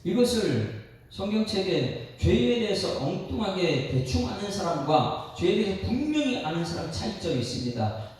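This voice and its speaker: Emphatic pastor preaching in an echoing church. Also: male voice, high-pitched. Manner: emphatic, repetitive, rhetorical questions. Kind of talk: evening sermon. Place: church sanctuary. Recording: echoey sanctuary from far off.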